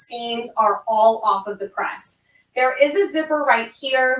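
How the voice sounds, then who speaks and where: Raised and projected, a woman's high-pitched voice carries a bright, sharp tone and lively intonation at a fairly slow pace. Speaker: webinar presenter demonstrating heat pressing. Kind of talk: live tutorial webinar. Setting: live webinar. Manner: casual, chatty.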